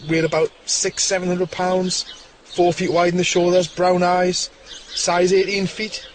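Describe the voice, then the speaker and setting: A man acting an awestruck researcher in an audio drama. His voice sits fairly high and moves in halting, dramatic phrases. There is clear ambient noise around him. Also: monotone. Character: awestruck, self-assured male Bigfoot researcher, the sidekick.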